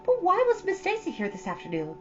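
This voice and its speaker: A woman's voice: very high-pitched, huge pitch swings, fast, dull audio, soft background music, pitched above the performer's own voice, heavily acted. A woman voicing a chatty, earnest thirteen-year-old girl from a storybook, rambling with solemn drama. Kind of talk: storybook character reading.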